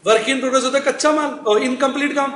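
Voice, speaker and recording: A man's voice: very high voice, fairly even intonation, quick pace, a bit bright. A middle-aged man teaching accounts in a recorded classroom lecture, chatty, asking the class questions and answering them himself. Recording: echoey room with faint noise.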